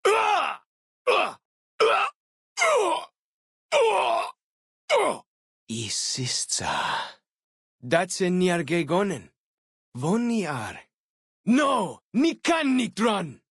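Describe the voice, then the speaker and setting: Expressive, husky young tribal scout. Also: male voice, a little high, dry recording, clean studio sound, full character voice. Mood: pained, then combative, excited. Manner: casual, folksy, expressive. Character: friendly, easygoing young male tribal scout and guide. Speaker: video game character voice actor. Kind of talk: in-game dialogue and combat barks.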